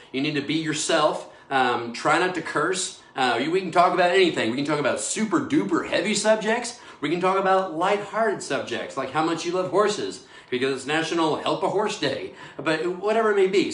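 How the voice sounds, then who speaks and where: A man's voice: on the high side, a bit bright. A man hosting his own live video show, talking in an enthusiastic, preachy, rambling way with repeated declarations. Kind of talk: live casual monologue. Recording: echoey room.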